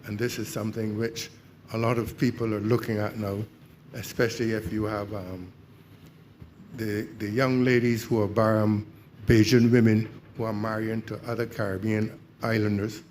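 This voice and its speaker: Older man, audience member at a public consultation, low voice, halting delivery, faint room hum. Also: flat delivery, a little mellow. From Barbados. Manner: hesitant, many fillers. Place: community meeting hall.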